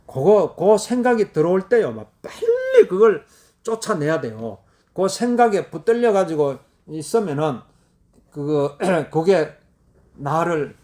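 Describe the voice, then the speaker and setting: Man, middle-aged, pastor, sermon, high voice, animated, emphatic and repetitive. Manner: repetitive, emphatic preaching with sudden loud exclamations.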